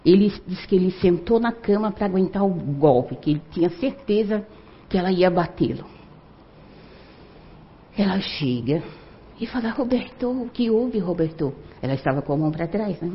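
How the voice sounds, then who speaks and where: An older woman telling a story to an audience in an animated, conversational way. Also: on the low side, moderate pace. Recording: muffled lo-fi recording.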